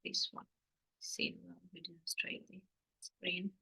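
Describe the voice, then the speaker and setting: Breathy woman co-host chiming in. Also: on the low side, level tone, unhurried, bright, forceful tone, in a whisper, rough recording. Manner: light, laughs often, chimes in briefly. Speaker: language teacher, co-host. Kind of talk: casual co-hosting banter.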